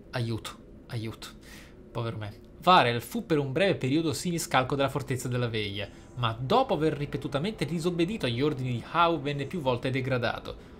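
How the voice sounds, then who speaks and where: Guy doing a let's play, reading lore out loud, normal pitch, bit of noise behind. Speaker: gaming YouTuber, host. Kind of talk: gameplay narration, reading in-game journal aloud with casual asides.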